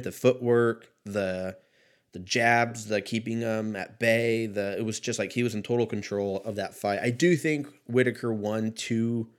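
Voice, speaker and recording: Male sports talk host, 30s, fairly low pitch, loose and conversational, unpolished solo delivery with salty language. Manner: laid-back, rambling, profane. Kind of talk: casual solo commentary.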